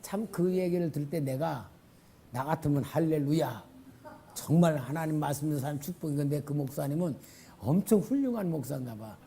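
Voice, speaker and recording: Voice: mid-range voice, brisk, mellow. A pastor preaching a Friday prayer meeting sermon in a church, telling stories and building up to emphatic declarations.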